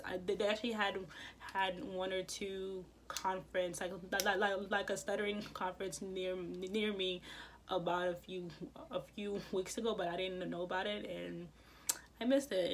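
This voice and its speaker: A woman with a mid-range voice speaks casually to the camera as a vlogger. She stutters, repeating sounds and words, and talks softly with lots of fillers. There's a slight hiss or hum in the recording.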